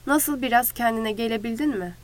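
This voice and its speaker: A woman voicing a calm, authoritative ranch leader who talks firmly and steadily. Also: a little high, fairly quick, lightly acted. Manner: firm, steady.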